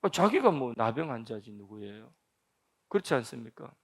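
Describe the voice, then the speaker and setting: A man's voice: medium pitch, sing-song, moderate pace. A man, a senior pastor, preaching a sermon at a church prayer meeting with emphatic delivery and frequent rhetorical questions to the congregation. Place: church sanctuary.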